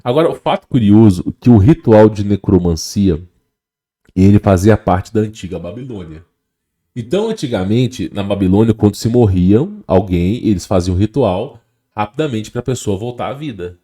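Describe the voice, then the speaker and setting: A man's voice: lowish voice, expressive, moderate pace, dark tone. A man with a Brazilian Portuguese accent talking casually to his viewers. He hesitates often, repeats words and keeps checking in with tag questions. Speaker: channel host. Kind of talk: casual monologue to camera.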